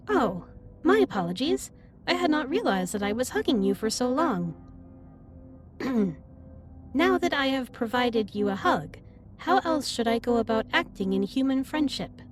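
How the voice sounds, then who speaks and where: A woman playing a gentle, earnest female alien starship captain in an audio roleplay, speaking in formal, precise sentences straight to the listener. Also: fairly high pitch. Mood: polite, apologetic. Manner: formal, precise, slightly stilted wording.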